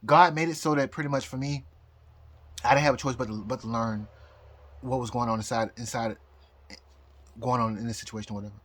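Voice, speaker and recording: A man in a rambling, drunk-sounding personal rant, halting and repeating his phrases, speaking emphatically and defiantly. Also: medium pitch, steady tone, fairly bright tone. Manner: emphatic, defiant talk of fate and God. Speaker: astrologer.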